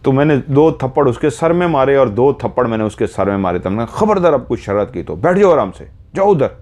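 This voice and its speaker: A man narrating a horror story in the first person, slow and measured, retelling events step by step. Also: on the low side, darkish tone.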